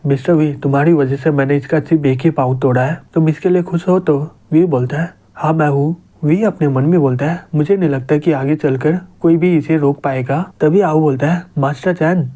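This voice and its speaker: Male narrator, Hindi accent, upper-middle pitch, mellow tone, plain storytelling recap. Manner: plain retelling, quotes read without doing voices. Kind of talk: storytelling recap, reading character lines in his own voice.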